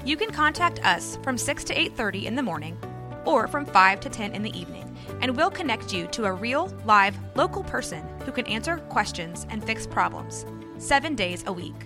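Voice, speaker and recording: A woman reading a scripted ad in an upbeat sales-pitch manner. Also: very animated, moderate pace, music in the background. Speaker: ad announcer. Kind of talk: scripted radio ad.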